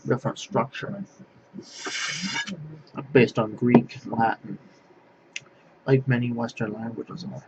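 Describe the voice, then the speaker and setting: Man, vlogger, halting speech, repeated restarts, audible background noise. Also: medium pitch. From northwest Pennsylvania. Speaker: language vlogger. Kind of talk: rambling monologue to camera. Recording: dull lo-fi sound with clear background noise.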